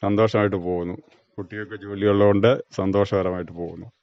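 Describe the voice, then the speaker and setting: A man's voice: fairly low pitch, little pitch movement, fast talker, clean tone, no echo. A man, giving plain, brief, factual answers in an interview as a retired farmer. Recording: dull, muffled radio recording.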